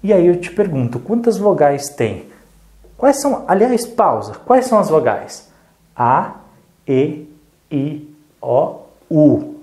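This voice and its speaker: Patient Brazilian literacy teacher, lively voice. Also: mid-range voice. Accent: Brazilian Portuguese. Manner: patient, counts aloud, checks in with "tá bom?". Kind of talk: adult literacy lesson.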